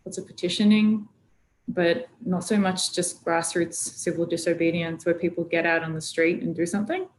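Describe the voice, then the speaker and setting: Low-voiced woman activist on a video call. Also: slight background noise, poor audio. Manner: relaxed, chatty storytelling with frequent fillers. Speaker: climate activist guest. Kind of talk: casual video-call interview.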